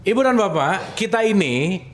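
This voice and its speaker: Lively high-voiced man teaching. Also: normal speed, a little hiss or hum. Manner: playful, lively, asks the audience often. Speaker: religious teacher. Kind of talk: casual religious study talk.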